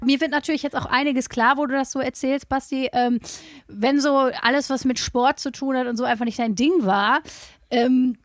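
A woman's voice: high voice, fairly even intonation, moderate pace, no room sound, studio quality. A woman co-hosting a podcast, chatting casually and conversationally. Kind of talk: casual chat.

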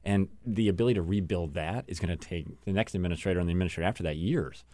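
A man's voice: sits low, racing, warm tone, no echo. A man being interviewed in a radio studio as an environmental advocate, earnest and full of fillers and restarts. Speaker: guest from an environmental group.

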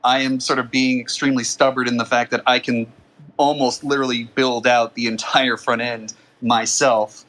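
A man's voice: medium pitch, level tone, normal speed, a bit bright, rough recording. A man, a founder speaking as a guest, chatting casually with lots of um and you know. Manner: filler-heavy, um and you know. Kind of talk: casual conversation.

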